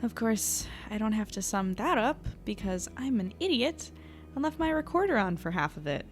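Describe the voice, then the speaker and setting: A woman's voice: on the high side, sing-song, moderate pace, faint music behind. A woman playing an earnest, anxious female reporter in an audio drama, conversational, tentative and a little self-deprecating. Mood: wry narrating. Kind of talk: naturalistic audio drama acting and narration.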